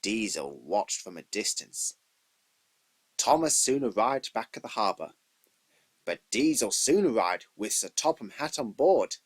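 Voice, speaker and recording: Husky male storybook narrator. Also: on the low side, very animated, measured pace. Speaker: narrator of a children's train story. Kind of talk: scripted storybook narration, read in takes.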